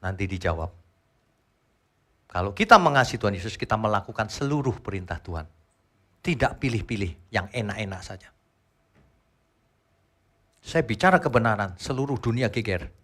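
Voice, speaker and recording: Bright-voiced preacher. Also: male voice, on the low side, lively intonation. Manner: emphatic, swings from soft asides to loud exhortation; chants a short worship phrase slowly. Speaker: pastor. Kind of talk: sermon.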